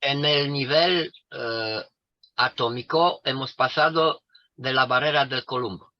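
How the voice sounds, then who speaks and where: A man speaking slowly and deliberately on a video call, pausing often for his interpreter. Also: medium pitch. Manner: deliberate, with pauses and fillers. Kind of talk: slow lecture-like talk, pausing for translation. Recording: dry, lo-fi video call audio.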